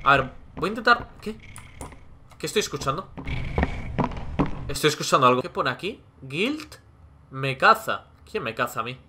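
Young man, Spain Spanish accent, horror game commentary, panicky, lively pitch, bright voice. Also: normal speed, long pauses, a little hiss or hum. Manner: panicky, screams and repeats himself. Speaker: gaming video creator.

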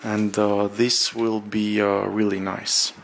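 A man narrating a casual walk-through vlog in a halting, hesitant way with drawn-out pauses, recorded indoors on a handheld camera. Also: on the low side, flat delivery, gravelly, background noise. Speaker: vlogger. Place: bare room under renovation, indoors, windows open.

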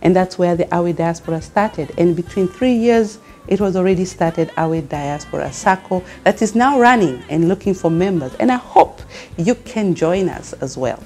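A woman's voice: fairly low pitch, a little mellow. A middle-aged Kenyan woman with a Kenyan accent, speaking earnestly to camera as a network founder and asking rousing questions. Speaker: founder and CEO of a women's network. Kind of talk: direct-to-camera address. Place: furnished studio lounge with a fireplace, indoors.

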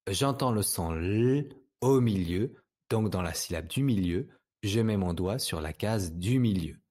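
A French-accented man gives a reading lesson to young children in a lowish voice. He speaks very slowly and patiently, stretching out each sound so it can be heard clearly. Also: expressive, a little mellow. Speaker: teacher.

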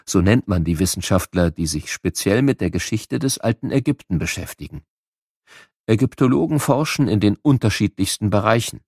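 A man narrating a scripted educational audio programme for children in a measured, explanatory way. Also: lowish voice, expressive, a little mellow, no room sound, studio quality.

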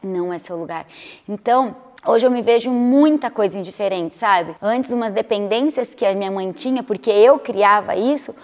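A woman's voice: on the high side, normal speed, few pauses, a little mellow, big-room sound. A Brazilian woman in her thirties talking casually to her viewers, often acting out things she used to say. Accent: Brazilian Portuguese. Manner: chatty, acts out her own past remarks. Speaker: vlogger. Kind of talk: casual reflective monologue.

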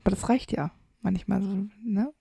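Here is an easygoing woman podcast co-host who gently teases her partner. She talks in a relaxed, agreeable way at a medium pitch. The recording is dry and close. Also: moderate pace, gravelly, slightly rough, no room sound. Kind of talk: casual chat and reading aloud.

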